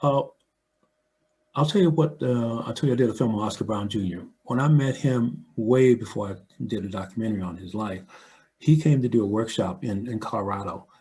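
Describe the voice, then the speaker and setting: Older American man, low-pitched, reflective interview guest with a conversational storytelling manner. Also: a little fast, dark tone, poor audio. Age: older, 60s or above. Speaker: audio dramatist and filmmaker, interview guest.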